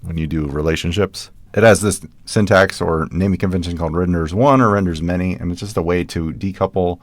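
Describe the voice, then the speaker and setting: Low-voiced man talking through code casually. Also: a little fast. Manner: casual, thinks aloud while typing code. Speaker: programming tutorial host. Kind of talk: screen-recorded coding tutorial.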